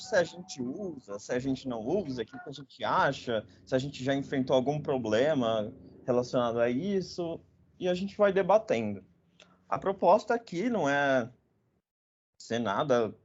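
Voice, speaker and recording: A man's voice: medium pitch, a little mellow, muffled recording, slight background noise. A man in his twenties from northern Paraná, hosting a podcast in casual, jokey chat with frequent tag questions. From northern Paraná, Brazil. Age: 20s. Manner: chatty, jokey, with frequent "né?" tags. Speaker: podcast host.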